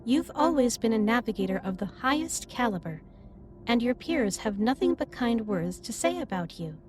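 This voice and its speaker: Woman as alien starship captain for intimate sci-fi audio drama: higher-pitched, formal, gently reassuring, over music. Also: natural voice. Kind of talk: scripted roleplay audio drama, intimate comforting monologue. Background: ambient music.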